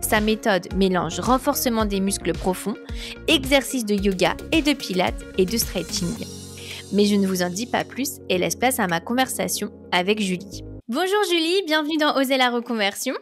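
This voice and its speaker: A woman's voice: mid-range voice, lively intonation, normal speed, faint music behind. A woman hosting a podcast, reading a scripted intro and asking interview questions with an upbeat manner. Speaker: podcast host.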